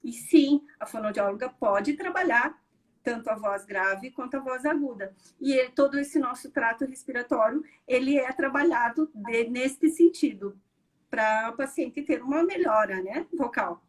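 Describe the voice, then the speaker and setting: Casting: high-pitched woman, calm expert guest explaining things. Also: normal speed. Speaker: guest speech therapist. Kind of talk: explanatory interview answers.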